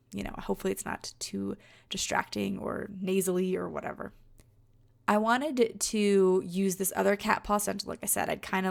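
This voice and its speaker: A young woman with a rough voice from being sick, chatting casually over her crafting video in a rambling way. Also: medium pitch. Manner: chatty, rambling, many fillers. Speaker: card-making vlogger.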